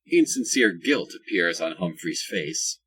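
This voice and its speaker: A man's voice: deep voice, animated, unhurried, pushed and bright, breathy edge. A man narrating a scripted audio drama as its storyteller.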